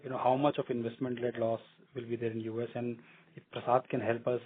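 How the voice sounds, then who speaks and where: Analyst man, monotone and husky, over a phone line. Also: mid-range voice, fast. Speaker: analyst asking questions. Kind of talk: earnings call question.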